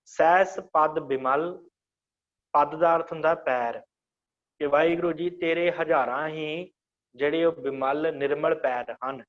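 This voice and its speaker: A man teaching an online scripture class, reciting verse lines slowly and then patiently explaining each word. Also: on the high side, steady tone, muffled recording.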